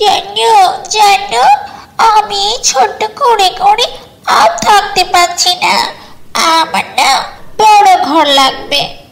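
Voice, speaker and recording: In a cartoonish character voice, a female-sounding voice at an extremely high pitch speaks at a very slow pace. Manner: flirtatious, giggling, manipulative.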